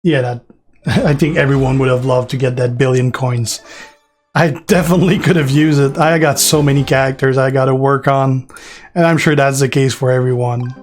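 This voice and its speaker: A French gaming streamer in his forties, speaking with a French accent, rambles in a relaxed way through a casual live-stream chat, full of fillers and addressing viewers by name. His voice is mid-range at a moderate pace, with faint music in the background.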